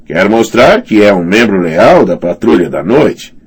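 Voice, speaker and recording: A man voicing a cold, scheming knight who speaks in a measured, sly way. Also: on the low side, sing-song, slight background noise, voice pushed up. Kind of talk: audiobook character reading.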